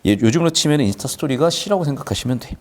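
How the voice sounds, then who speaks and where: A man's voice: mid-range voice, rapid-fire. A man teaching a literature lesson, casually explaining a screenplay and playfully acting out the characters' lines. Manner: lively, jokey, acts out characters' lines. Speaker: Korean literature tutor. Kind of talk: classroom lecture explaining a screenplay.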